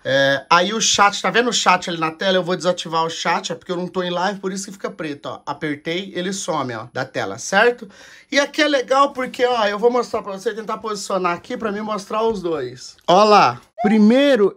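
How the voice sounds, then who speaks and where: A high-voiced Brazilian man walks viewers through his streaming setup. He talks casually and keeps pointing things out on screen. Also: fairly bright tone. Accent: Brazilian Portuguese. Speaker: streamer and content creator. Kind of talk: casual tech demo.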